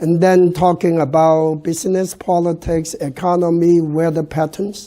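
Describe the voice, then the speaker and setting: A man's high-pitched voice with a dark, mellow tone, fairly even intonation and a fairly slow pace. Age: 70s. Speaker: feng shui master. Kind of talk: public talk. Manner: halting.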